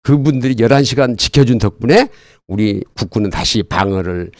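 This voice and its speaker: Older man, interview guest, earnest drawn-out explanations, halting delivery, lively melody, dry recording. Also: mid-range voice, no room sound. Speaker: guest, retired army colonel and military history author.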